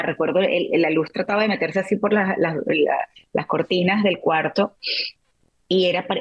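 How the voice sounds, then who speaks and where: A woman's voice: fairly low pitch, breathy edge, lo-fi sound. A middle-aged woman, an interview guest, telling a personal story in a candid, reflective way with frequent restarts. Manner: candid, reflective, emotional retelling with many restarts. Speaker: interview guest, journalist and author.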